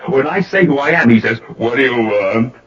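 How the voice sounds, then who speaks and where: An actor playing a weary, practical garment boss with a dry, deadpan delivery in a radio drama. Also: male voice, mid-range voice, moderate pace, close to an everyday voice. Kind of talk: 1970s radio drama acting. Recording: muffled old radio broadcast.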